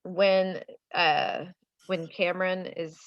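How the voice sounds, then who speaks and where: Lowish-voiced woman, dry muffled audio. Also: level tone, slow pace, dry recording. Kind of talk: casual chat.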